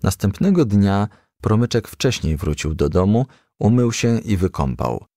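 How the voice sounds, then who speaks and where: A man's voice: lowish voice, animated, unhurried, dark tone, dry recording, clean studio sound. A man reading a children's story aloud as scripted audiobook narration. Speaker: audiobook reader.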